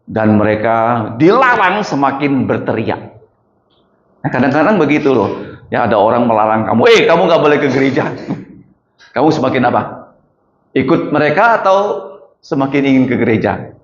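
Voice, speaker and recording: A man's voice: medium pitch, animated, moderate pace, pauses often. A man teaching a Bible lesson to children, questioning the class and telling the story with animation. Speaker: Sunday school teacher. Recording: roomy, dull lo-fi sound.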